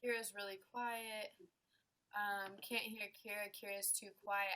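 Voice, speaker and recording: A woman's voice: medium pitch, little pitch movement, unhurried, bright, forceful tone, clean tone. A woman hosting a casual livestream from home, chatting and laughing often while wearing headphones. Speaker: livestream host. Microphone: headphones with mic.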